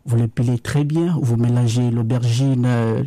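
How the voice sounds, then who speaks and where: A man from DR Congo whose first language is Lingala, a radio guest explaining a home recipe in a halting way with many restarts. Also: mid-range voice, fairly even intonation, warm tone, no echo. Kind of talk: radio interview, casual explaining.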